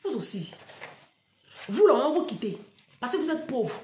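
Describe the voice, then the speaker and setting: Woman going off on a sarcastic rant, kinda high voice, echoey room. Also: normal speed. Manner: animated and sarcastic, laughs often. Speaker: online commentator on marriage. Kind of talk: blunt, mocking monologue. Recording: roomy echo.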